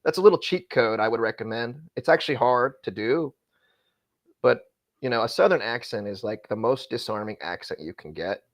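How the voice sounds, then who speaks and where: A man's voice: mid-range voice, lively intonation, normal speed. Candid rambling former freight broker man. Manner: rambling, frequent self-restarts, candid. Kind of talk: casual conversational advice.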